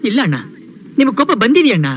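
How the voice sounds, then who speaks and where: A teasing young prankster. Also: male voice, very high-pitched, huge pitch swings, quick pace, lo-fi sound, noisy background, full character voice. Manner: teasing, persistent. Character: young male prankster goading a man into anger.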